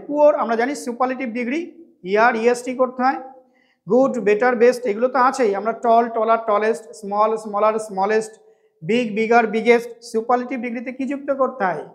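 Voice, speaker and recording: Man teaching, dictating sentences slowly. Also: very high-pitched. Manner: explains step by step, asks and answers his own questions; slows to dictate English sentences word by word. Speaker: English teacher at a coaching centre. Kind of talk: classroom lecture on translation.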